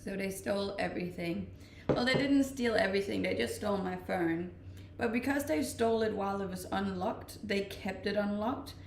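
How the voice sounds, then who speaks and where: A woman's voice: medium pitch, normal speed, vocal fry, hardly any pauses, distant mic. Chatty young Danish-born woman streaming. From Denmark. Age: 20s. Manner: chatty, laughing often, restarting sentences. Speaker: live streamer. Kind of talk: casual chat reading stream comments. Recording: roomy echo, voice off-mic, faint noise.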